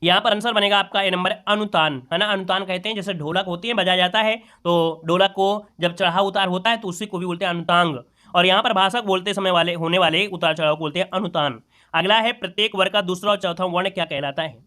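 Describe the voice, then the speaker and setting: A man's voice: sits high, steady tone, brisk, pushed and bright. A man teaching an exam-prep lesson, going through questions and repeating each question and answer with rhetorical checks to the listeners. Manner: addresses listeners as friends.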